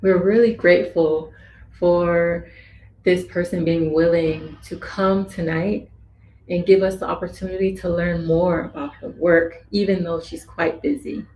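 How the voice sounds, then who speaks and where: A woman voicing a signed introduction and interview as interpreter, speaking slowly in measured phrases. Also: on the low side, steady tone, darkish tone, slight background noise. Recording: echoey room with faint ambience.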